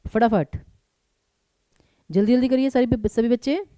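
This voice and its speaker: Brisk woman teacher with a mellow voice. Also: fairly high pitch, no room sound. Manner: brisk, urging students to answer fast; mixes English words into Hindi. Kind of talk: live online exam-prep class.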